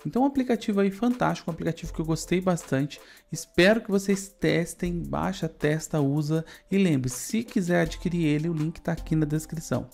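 A Brazilian-accented man presents a casual software walkthrough in a mellow, dark-toned voice. He is on a USB microphone, with music underneath. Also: on the high side, fairly quick, vocal fry, hardly any pauses. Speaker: tutorial presenter. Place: studio indoors.

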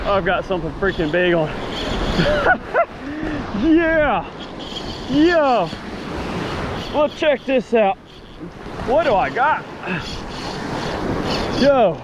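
A man hosting a fishing vlog, chatting casually and excitedly while casting and fighting fish from the surf. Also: high-pitched, slow pace, long pauses. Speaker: fishing channel host. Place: sandy ocean beach outdoors at sunrise. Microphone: chest-mounted action camera. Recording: outdoor action cam with surf noise. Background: surf and waves.

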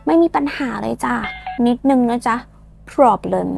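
A woman from Thailand, speaking, teaches English phrases in a playful, teasing way and drills slow, drawn-out pronunciation. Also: fairly high pitch, expressive, creaky, darkish tone, soft background music. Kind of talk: lesson with repeat-after-me drills.

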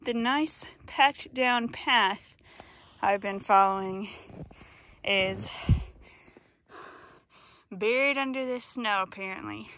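A young adult woman chatting casually to camera as a solo hiking vlogger, somewhat out of breath, musing in short halting phrases. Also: mid-range voice, sharp tone. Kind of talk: casual vlog chat to camera while hiking. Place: outdoors on a snowy mountain trail. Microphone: handheld phone at arm's length.

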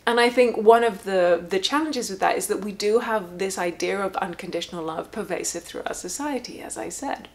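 A woman's voice: mid-range voice, brisk, hardly any pauses. A woman who works as a therapist, talking candidly at home in a rambling, reflective way with sarcastic asides. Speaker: therapist and channel host. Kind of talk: casual reflective monologue. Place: home room.

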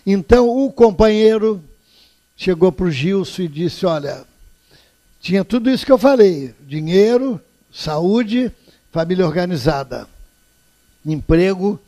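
A man's voice: high-pitched, expressive, measured pace, long pauses, dark tone. An older Brazilian man giving an earnest public lecture in a hall, telling stories with emphasis. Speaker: lecturer at a spiritist center. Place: indoor lecture hall, standing before an audience.

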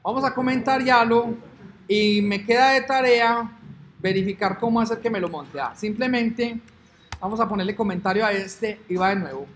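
Man, very high voice, chatty programming teacher, desk mic, faint background hum. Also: moderate pace, a bit bright. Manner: chatty, thinks aloud, hums "ta ta ta" while waiting. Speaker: programming instructor. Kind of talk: screen-recorded coding lesson.

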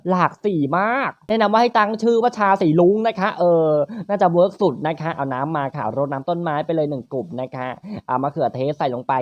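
A gaming channel host, giving playful, crude let's-play commentary in quick teasing banter. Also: no room sound, dull audio. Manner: crude, teasing, rapid banter with frequent high laughs.

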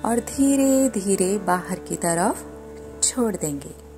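A woman leads a guided meditation at a slow, unhurried pace. Her delivery is soothing and deliberate, with a mid-range pitch. Soft music plays behind her voice. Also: lively intonation. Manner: soothing, deliberate, repetitive instruction. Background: background music.

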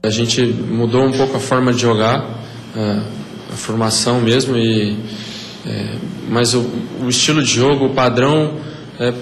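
A man in his twenties, a football player, giving halting, casual answers to press mics. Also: mid-range voice, fairly even intonation, a little hiss or hum. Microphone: cluster of press mics. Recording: roomy interview sound.

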